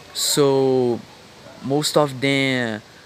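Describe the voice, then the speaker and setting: A man speaks with a Brazilian accent and fairly even intonation. Noticeable background noise sits behind him. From Brazil, Rio de Janeiro. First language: Portuguese. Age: 20s. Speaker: vlogger. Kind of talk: casual vlog monologue. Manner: hesitant, repeats words.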